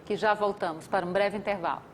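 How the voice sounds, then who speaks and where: A woman hosting a TV interview show. She asks questions in a lively, chatty way and sums up the popular myths she has heard. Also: medium pitch, fast, heavy background noise. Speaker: TV interview host. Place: TV studio desk.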